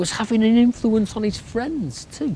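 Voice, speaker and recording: This man speaks at a fairly slow pace with a high pitch, and the sound is dry with no echo. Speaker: storyteller. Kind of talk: children's storytelling. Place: forest. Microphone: phone near.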